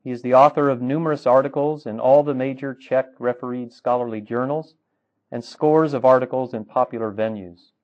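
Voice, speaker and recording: A man introduces a lecturer in a formal manner, reading prepared remarks at a mid-range pitch. The recording is dull and lo-fi, with muffled highs. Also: fairly even intonation, brisk. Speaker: conference host introducing the speaker. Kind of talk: scripted introduction read aloud.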